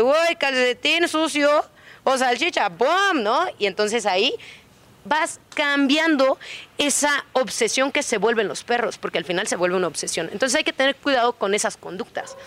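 Her pitch fairly high and her tone fairly bright, this radio guest speaks with a Mexican accent. As a co-founder of a dog daycare, she chats animatedly and casually about dogs, playing out small dialogues as she goes.

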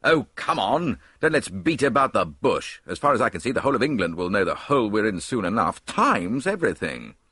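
A man's voice: lowish voice, big pitch swings, brisk, few pauses, breathy edge, no room sound, clean studio sound, voice pushed up, heavily acted. A man reading aloud, voicing a blunt, brusque middle-aged politician who cuts in abruptly. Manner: abrupt, loud.

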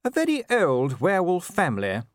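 A genteel aristocratic wife played by a male audiobook reader, pitched well up high. The delivery is chatty and gushing, with lively swoops and a fond, reassuring air. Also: normal speed, no room sound, studio quality. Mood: breezy, gossipy. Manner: chatty, gushing, upper-class turns of phrase. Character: genteel aristocratic middle-aged wife, breezy, fondly reassuring. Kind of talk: audiobook character voice.

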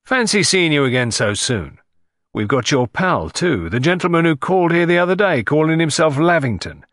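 A man voicing a bluff, hearty male police inspector who talks loudly and chattily. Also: mid-range voice, no room sound, clean studio sound, pitched above the performer's own voice.

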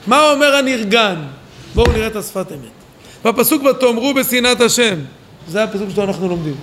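A man, a rabbi, giving a weekly Torah lesson at a yeshiva, animated and speaking straight to his listeners. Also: very high-pitched, slight background noise. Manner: animated, acts out quoted voices, talks to listeners directly. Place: study hall at a yeshiva.

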